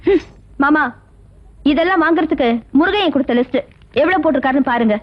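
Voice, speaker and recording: An actress playing a bold, outspoken young daughter-in-law in a film, speaking sharply. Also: female voice, high voice, fast, lightly acted. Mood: stern. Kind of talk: film dialogue. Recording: dull lo-fi film soundtrack with music behind.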